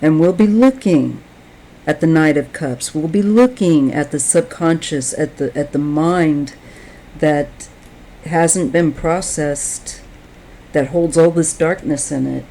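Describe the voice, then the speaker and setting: A woman giving a tarot reading, speaking in a slow, halting, reflective way while she is losing her voice. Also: deep voice, warm tone, a little hiss or hum. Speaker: tarot reader.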